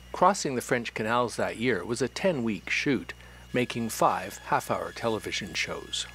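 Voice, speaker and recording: Lively-pitched male documentary narrator. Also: a little hiss or hum. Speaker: host and narrator of a sailing series.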